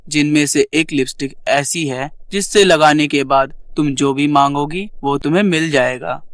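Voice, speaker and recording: A man's voice: a little high, fairly bright tone, dry recording. Man voicing a solemn fatherly ghost, dryly recorded. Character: benevolent ghost of a dead father, instructive. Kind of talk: animated storybook character voice.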